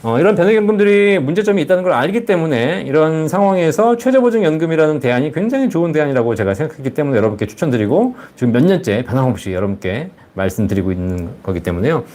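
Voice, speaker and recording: A man's voice: on the high side, sing-song, fast, hardly any pauses, darkish tone. A man hosting a live advice stream, explaining things to viewers and often checking in with rhetorical questions. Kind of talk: live call-in style financial advice, answering viewer comments.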